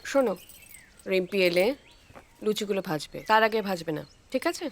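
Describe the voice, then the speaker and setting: A woman's voice: mid-range voice, lively intonation, normal speed, a little hiss or hum, natural voice. An actress playing a well-off elder sister who orders her maid about and complains. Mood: bossy. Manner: bossy, chatty. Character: bossy, complaining well-off housewife.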